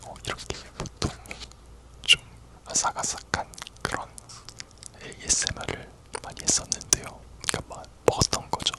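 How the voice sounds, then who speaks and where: A person whispering a casual, rambling ASMR chat in a soft, unvoiced whisper. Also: normal speed. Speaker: ASMR video creator.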